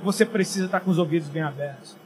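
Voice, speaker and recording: A middle-aged man from Paraíba, Brazil, preaching a casual, joking sermon that swings from quiet to loud. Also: on the high side, quick pace, slight background noise.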